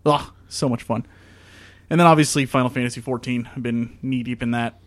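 This podcast host, a man from the US East Coast with a New Jersey accent, banters, teases and laughs with his co-hosts on a gaming podcast. His mid-range voice holds a steady tone at a slightly fast clip, with no room sound in this casual chat.

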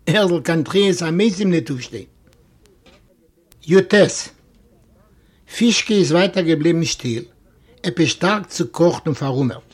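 A man reads a classic story aloud in a fairly high voice. His telling is expressive, and it rises into animated exclamations when the characters grow heated. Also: a little slow, pauses often, slightly rough. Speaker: reader.

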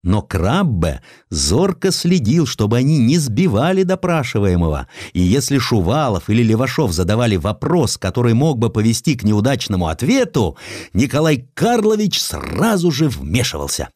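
A man narrating historical sketches as a dramatised audiobook, in a theatrical, expressive way. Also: medium pitch, normal speed, no echo, clean studio sound.

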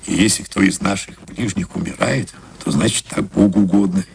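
Staid bearded timber merchant, deep and gravelly, preachy radio-play delivery. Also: male voice, moderate pace, slight background noise. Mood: sententious. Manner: sedate, sententious. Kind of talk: 1950s radio play acting.

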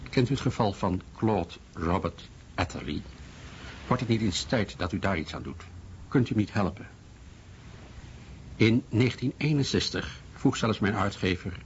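An actor playing an American author recounting his investigation in a scripted radio documentary drama. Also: low-pitched. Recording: dull radio recording, faint noise.

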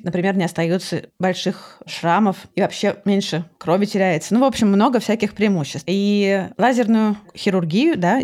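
A woman's voice: mid-range voice, darkish tone. Conversational woman explaining science. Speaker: podcast host.

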